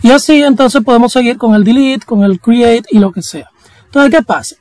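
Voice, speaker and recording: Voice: mid-range voice, moderate pace, a little mellow, no room sound, rough recording. Casual coding instructor. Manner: casual, chatty teaching with slang and jokey asides. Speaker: programming instructor. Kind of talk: screen-recorded coding tutorial.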